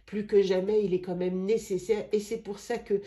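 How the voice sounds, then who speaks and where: Woman, stuffy with a cold, middle-aged, unhurried, lots of pauses, warm low tone. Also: steady tone. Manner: gentle, meandering, with pauses and fillers. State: has a head cold. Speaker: card reader and astrologer. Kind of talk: spiritual card-reading video.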